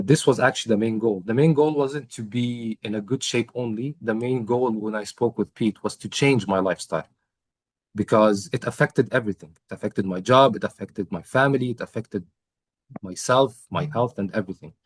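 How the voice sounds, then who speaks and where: A young man from Egypt shares his own experience as a coaching client in an interview. He speaks in a somewhat low voice, earnest and measured, with frequent pauses and fillers, and the recording is dry and close. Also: no echo. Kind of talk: testimonial interview.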